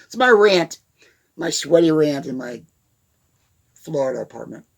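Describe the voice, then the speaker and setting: A man's voice: fairly high pitch, lively intonation, a little slow, creaky. A man giving a casual, rambling motivational rant to camera in his apartment, laughing and going off on asides. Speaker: motivational YouTuber.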